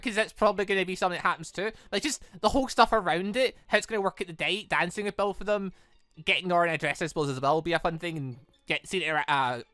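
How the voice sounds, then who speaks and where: An excitable, rambling gaming channel host giving casual let's play commentary, prone to breaking into laughter, on a close mic. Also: medium pitch, no echo.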